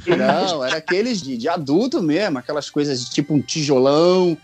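A Brazilian man in his forties chatting casually as a guest, telling personal stories in an animated, jokey, colloquial way. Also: a little high, brisk, over music. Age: 40s. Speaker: podcast guest.

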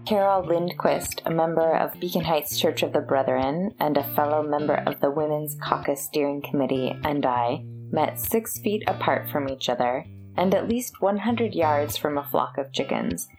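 A low-pitched woman's voice, muffled by a face mask, introduces and questions as an interview host. Faint plucked guitar music sits behind her. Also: normal speed, hardly any pauses, darkish tone. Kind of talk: scripted narration and interview questions.

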